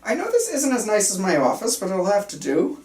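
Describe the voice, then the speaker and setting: A woman's voice: mid-range voice, very animated, fairly quick, a little mellow, lightly acted. A woman playing an earnest, controlling male psychiatrist at a script table read, stumbling slightly and speaking clinically and insistently. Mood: calm, clinical. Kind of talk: table reading of a film script. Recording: roomy, distant mic, faint room noise.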